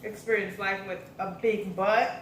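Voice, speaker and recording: A woman's voice: mid-range voice, steady tone, normal speed. A young American woman vlogger in casual, informal storytelling chat. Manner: informal, acts out quoted remarks. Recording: echoey room, distant mic, faint noise.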